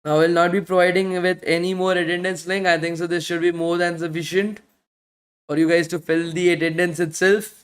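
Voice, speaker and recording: A man's voice: high-pitched, flat delivery, a little fast. A man teaching a live online bootcamp, answering questions in casual talk and losing his voice from speaking daily. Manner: casual, repetitive, ends phrases with "guys". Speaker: bootcamp instructor.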